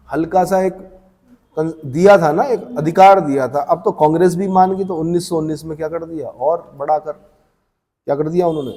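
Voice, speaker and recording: Reading points aloud and then explaining them plainly, a male coaching teacher lectures a class and puts questions to his students. His slightly high voice is mellow, and the recording has a long reverb tail.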